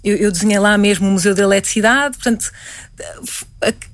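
A woman's voice: mid-range voice, brisk, dry recording. Portuguese woman painter talking about her art, thoughtful, keeps restarting phrases. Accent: European Portuguese. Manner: reflective, with frequent restarts. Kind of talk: interview answers.

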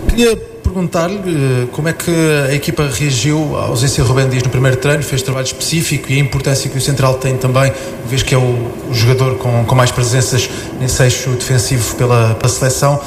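A man's voice: medium pitch, fairly even intonation, a little fast. A male radio journalist asking a long, careful question with fillers. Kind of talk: press conference question. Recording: echoey room with noise.

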